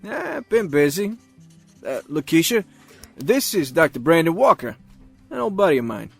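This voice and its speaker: A fairly high, animated man's voice, as a well-meaning buddy in an audio drama. He talks in a casual, breezy, upbeat way over faint music. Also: normal speed, gravelly, slightly rough, exaggerated voice. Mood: cheerful. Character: upbeat, well-meaning male colleague and friend.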